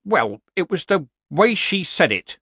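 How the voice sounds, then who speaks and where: A man's voice: high-pitched, sing-song, pushed and bright, husky, no echo, clean studio sound, voice pushed up, heavily acted. A man voicing a nervous, complaining male villager who stumbles over his words. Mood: anxious. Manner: anxious, flustered, halting.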